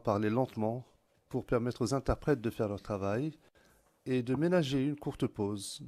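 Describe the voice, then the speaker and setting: Deliberate man interpreting, dry sound. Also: medium pitch, a little mellow, dry recording. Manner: courteous, clear and deliberate. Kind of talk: formal courtroom questioning.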